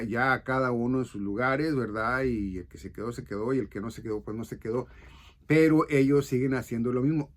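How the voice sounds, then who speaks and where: Male Bible teacher, unhurried, talks in short halting phrases with constant tag questions. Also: medium pitch. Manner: checks in with frequent "ok?" and "right?"; halting, restarts mid-phrase.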